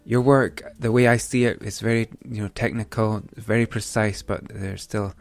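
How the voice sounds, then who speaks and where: Gravelly low-voiced male podcast host. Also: steady tone, moderate pace, dry recording, faint music behind. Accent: Scottish. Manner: eager, chatty, with restarts. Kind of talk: podcast interview.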